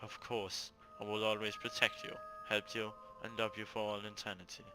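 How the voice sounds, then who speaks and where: A man's voice: lowish voice, monotone, normal speed, music in the background, lightly acted. A man voicing a devoted, enslaved knight serving his princess, reading visual novel dialogue in a solemn, adoring way. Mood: solemn devotion.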